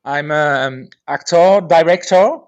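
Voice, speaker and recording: Halting French-accented man in his forties. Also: a little high, clean tone, dry recording, highs cut off. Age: 40s. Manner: halting, many pauses and fillers. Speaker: guest actor and director. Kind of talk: casual podcast interview.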